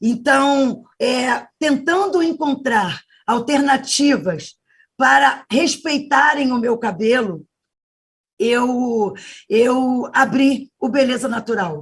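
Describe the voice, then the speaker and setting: Very slow, high-pitched female speech with lively intonation. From Rio de Janeiro, Brazil (north zone). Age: 60s. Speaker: entrepreneur, business founder. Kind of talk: live interview.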